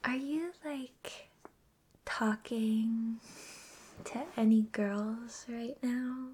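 A young woman whispering softly and giggling often into a close mic, doing an ASMR roleplay. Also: on the high side, steady tone, drawn-out words, breathy edge. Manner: soft whispering with frequent giggles.

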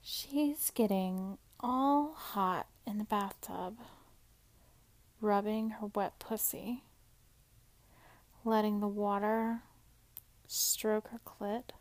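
Very slow, teasing, whispering woman. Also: medium pitch, no echo. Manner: teasing, soft-spoken with frequent whispers. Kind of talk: intimate audio roleplay.

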